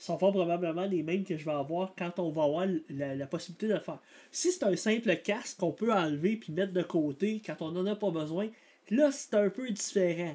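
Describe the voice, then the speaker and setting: A man with a Quebec accent speaks at a high pitch in a dark, mellow tone, at a moderate pace with ordinary pitch variation. The recording is very clean, with a silent background. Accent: Québécois French. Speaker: college teacher and tech video host. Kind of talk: casual weekly news vlog. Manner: hesitant, many fillers and repetitions.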